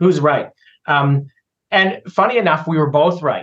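The man's voice is somewhat breathy. He keeps a moderate pace with ordinary pitch variation. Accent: Canadian. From Western Canada. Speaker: leadership consultant and author. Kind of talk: interview conversation.

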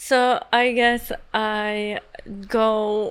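A woman speaks with a Czech accent in a monotone, flat intonation. The recording is very clean, with a silent background. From Prague, Czech Republic. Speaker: installation artist. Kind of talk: casual interview. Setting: artist's studio.

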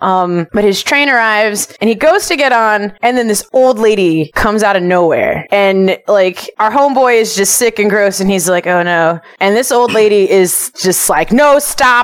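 A woman with an American accent has an unremarkable speaking voice, fairly high in pitch with ordinary variation. She keeps a moderate pace and very even loudness, with hardly any pauses. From New York, the Bronx. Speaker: podcast guest. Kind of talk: casual chat.

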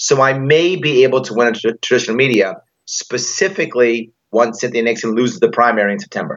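Talking at a very fast pace, a man with a New York accent keeps a medium pitch and ordinary pitch variation. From New York City (Bronx, Long Island). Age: 50s. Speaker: political candidate. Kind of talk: interview. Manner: animated.

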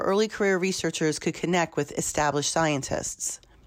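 Lively intonation runs through a woman's plain, everyday voice, with an American accent. Her pace is moderate. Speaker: science podcast host. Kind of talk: news-style recap monologue.

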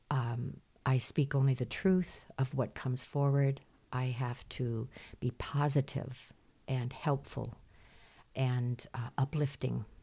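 A woman's very deep, low, somewhat breathy voice with a dark, mellow tone, very slow pace and fairly even intonation, on a very clean recording with a silent background. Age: 60s. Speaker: flea market vendor and psychic. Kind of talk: casual interview.

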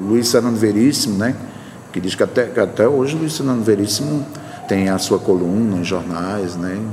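A man's fairly low voice, with ordinary pitch variation, comes at a moderate pace through noticeable background noise. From Brazilian Northeast, Pernambuco backlands. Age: 50s. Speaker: writer. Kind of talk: interview. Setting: empty room, opera in background.

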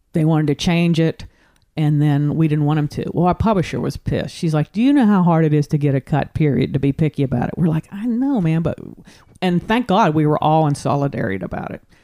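A woman speaks with a dark, mellow tone and a very deep, low pitch, moving at a fairly quick pace. Her pitch varies in an ordinary way, and the sound is dry and close with no echo. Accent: American. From Pennsylvania / West Virginia, tri-state area. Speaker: country songwriter and singer. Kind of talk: casual interview. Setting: music room at her home.

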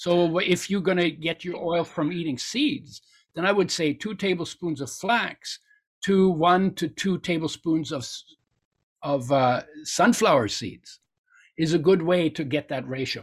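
A man speaks in a German accent at a high pitch. His pace is fairly slow, with ordinary pitch variation. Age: 70s. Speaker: nutrition expert on dietary fats. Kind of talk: interview.

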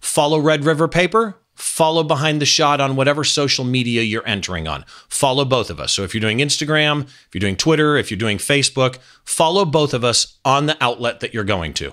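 A man with an American accent speaks at a fairly quick pace in a plain, everyday voice, fairly high in pitch with lively intonation. The recording is very clean with a silent background. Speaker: podcast host. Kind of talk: interview.

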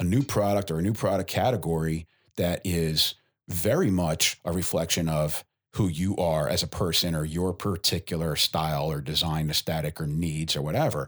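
Speaking at a moderate pace with ordinary pitch variation, a man with an American accent and a very deep, low pitch comes through in a very clean recording with a silent background. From US Northeast, Philadelphia. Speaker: watch company founder. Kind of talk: interview.

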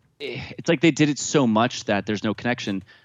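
Lively intonation from a man in a normal speaking voice, medium in pitch, at a fairly quick pace. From New Jersey (Jefferson). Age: 30s. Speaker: podcast host. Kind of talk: casual interview.

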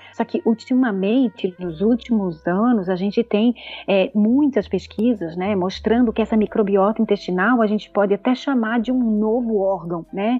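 A woman uses an ordinary speaking voice, fairly high in pitch with ordinary pitch variation, moving at a moderate pace with hardly any pauses. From Santa Catarina, Brazil (Florianópolis). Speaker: nutritionist and researcher. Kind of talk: expert panel discussion.

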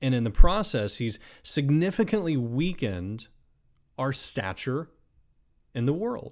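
A man talks at a fairly slow pace in a fairly high voice, with long, frequent pauses. His pitch swings very widely and his loudness rises and falls a lot. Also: very clean recording, silent background. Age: 20s. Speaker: political podcast host. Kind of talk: solo podcast commentary. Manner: halting, many fillers and repetitions.

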